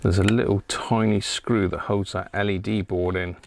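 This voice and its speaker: A man's voice: lowish voice, flat delivery, normal speed, a little mellow. A man hosting a live repair stream, muttering casual commentary to himself as he works, with clicks of tinkering behind him. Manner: muttering to himself while working. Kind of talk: casual hands-on commentary while working. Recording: clear background noise with clicks.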